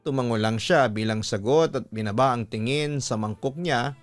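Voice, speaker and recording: A man's voice: mid-range voice, moderate pace. A man with a Filipino accent, a radio-style host reading a listener's letter aloud as scripted dramatic narration. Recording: music bed behind voice. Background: background music.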